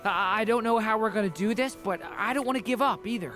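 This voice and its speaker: A man's voice: sits high, fast, close to an everyday voice. A man voicing an earnest, compassionate young adventurer in a video game, speaking with some hesitation. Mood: sorrowful. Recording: music playing behind the voice.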